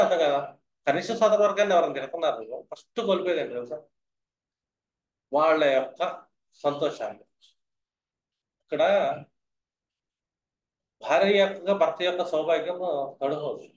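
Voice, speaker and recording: A man's voice: fairly high pitch, roomy sound. A man teaching astrology in a lecture style, who keeps asking his listeners whether they have understood.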